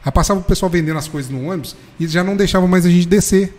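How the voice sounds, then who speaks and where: Man, rapid, fairly high voice, animated slangy storytelling. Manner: animated, slangy, keeps saying "velho". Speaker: football fan telling a story. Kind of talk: casual storytelling chat.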